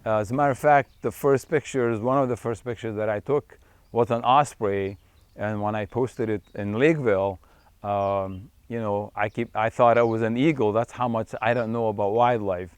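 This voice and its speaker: A middle-aged man from Syria, a wildlife photographer, talking in a reflective, unhurried way in a profile interview, with frequent fillers and restarts. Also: lowish voice, fairly even intonation, clean tone, no echo.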